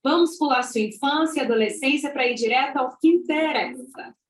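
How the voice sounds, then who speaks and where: A woman's voice: high-pitched, brisk, close to an everyday voice. A woman acting a flirtatious, forward party-goer in an audio drama. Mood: coaxing.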